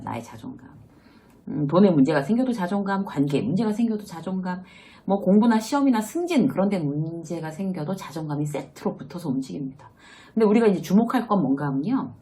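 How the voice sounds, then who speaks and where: A middle-aged woman gives a talking-head lesson on self-esteem, her pitch rising and falling across a wide range. She slips into short acted quotes of worried inner voices and keeps an easy, chatty delivery. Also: darkish tone. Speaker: workplace lecturer and author.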